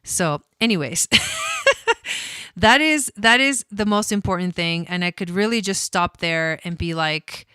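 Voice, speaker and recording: A woman's voice: mid-range voice, wildly swooping pitch, takes it slowly, pushed and bright, clear, resonant tone, dry recording. A woman from Argentina, an astrologer hosting a casual livestream, chatty and cursing freely with many fillers. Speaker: astrologer host.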